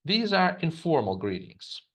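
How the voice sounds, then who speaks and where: A man from Germany, an English teacher, narrating a scripted lesson and reading example phrases slowly and twice. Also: a little high, sing-song, fairly bright tone. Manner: reads example phrases slowly and repeats them.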